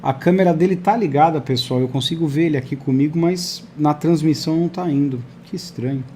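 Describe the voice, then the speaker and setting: A man's voice: a little high, fairly quick, dark tone, a little hiss or hum. Friendly male host on a video call. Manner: friendly, chatty, asks viewers to engage. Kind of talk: live online interview.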